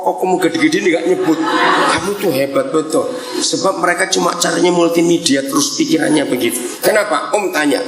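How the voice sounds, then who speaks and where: A man with a high, bright-pitched voice preaches to a young congregation, quick to tease and fire questions at the room. The sound carries the echo of a church hall. His delivery stays lively and playful. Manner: lively, teasing, quizzes the congregation. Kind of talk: interactive youth sermon.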